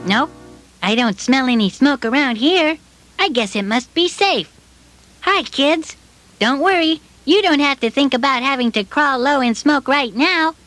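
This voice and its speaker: Stan, a cheerful puppet sniffer. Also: female voice, sits high, expressive, a little slow, fairly bright tone, no room sound, soft background music. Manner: friendly, reassuring, talks straight to children. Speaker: puppet character teaching fire safety. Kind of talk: children's puppet show.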